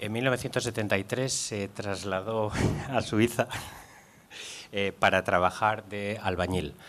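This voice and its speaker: Speaking fairly slowly with long, frequent pauses, a man keeps a fairly low pitch and fairly even intonation. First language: Spanish (speaking French). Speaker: film critic, event moderator. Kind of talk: live talk introduction. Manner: halting.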